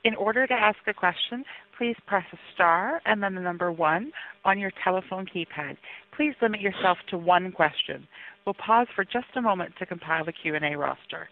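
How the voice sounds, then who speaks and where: A woman's voice: on the low side, normal speed. A woman working as a conference call operator, giving scripted announcements over the phone. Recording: tinny narrow-band phone line.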